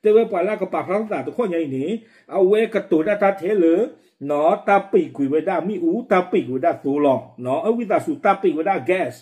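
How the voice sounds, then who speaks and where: Man, news presenter, fast pace, slightly high voice, casual commentary. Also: warm tone. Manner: quick, running commentary with frequent fillers.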